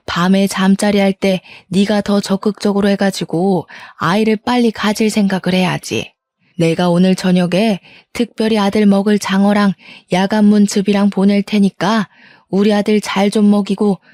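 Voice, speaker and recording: A woman's voice: mid-range voice, a little mellow, no room sound, studio quality, close to an everyday voice. A woman voicing a nagging, meddling middle-aged mother-in-law in a narrated story. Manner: scolding, meddling.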